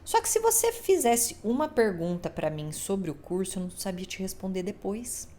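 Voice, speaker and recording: A woman in her thirties with a Brazilian accent, hosting a podcast in a casual, expressive monologue, swearing now and then and acting out the people she quotes. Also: medium pitch, normal speed, slight background noise. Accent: Brazilian Portuguese. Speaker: podcast host.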